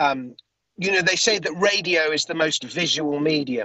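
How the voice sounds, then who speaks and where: With lively intonation, a man talks at a fairly slow pace. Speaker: author. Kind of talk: interview. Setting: in a car.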